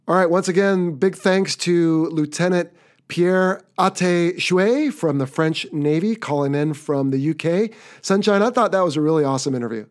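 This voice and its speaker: A man's voice: fairly high pitch, moderate pace. An American man hosting a podcast, chatting casually and upbeat as he wraps up an episode. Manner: upbeat, chatty, wrapping up the show. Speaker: podcast host.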